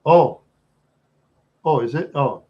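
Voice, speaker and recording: A man's voice: a little high, takes it slowly, highs cut off. Chatty, rambling American man livestreaming. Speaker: livestream host. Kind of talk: casual livestream chat with viewers.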